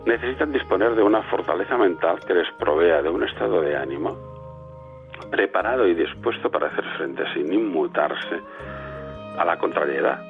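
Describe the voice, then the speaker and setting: Low-voiced coach on a phone line. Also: male voice, vocal fry. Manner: measured, reflective delivery. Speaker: motivational coach. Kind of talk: scripted motivational commentary. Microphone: phone call.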